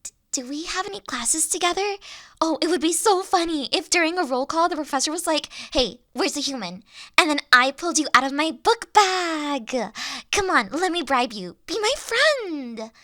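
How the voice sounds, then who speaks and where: A woman playing a high-pitched, awkward, nerdy young dragon girl. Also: expressive, normal speed, a bit bright, dry recording, clean studio sound. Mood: eager, friendly. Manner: bubbly, awkward, hesitant, giggly. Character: huge, nerdy, friendly young female dragon college student. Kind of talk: roleplay audio drama addressed to the listener.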